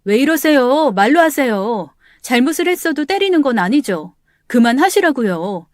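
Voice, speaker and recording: Woman playing a bold female friend, urgent, firm, highish voice. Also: very animated, moderate pace, no room sound, clean studio sound.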